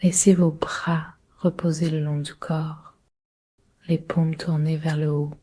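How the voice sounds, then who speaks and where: Low, breathy woman guiding meditation. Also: little pitch movement, warm tone. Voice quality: breathy, husky, often near-whispered. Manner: soothing, slow, measured instructions with long pauses. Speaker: guided meditation leader. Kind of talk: guided Yoga Nidra meditation.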